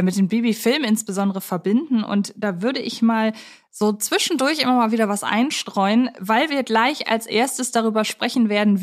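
A woman hosting a podcast in a conversational style, explaining things at chatty length. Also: medium pitch. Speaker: podcast host; film journalist.

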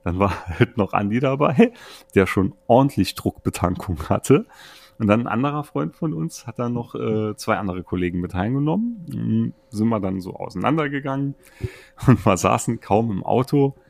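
A man of around forty from Germany, casually telling anecdotes as a podcast host in a chatty, animated way. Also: medium pitch, moderate pace, gravelly, no echo. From Saarland, Germany. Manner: chatty, animated storyteller who acts out friends' dialogue.

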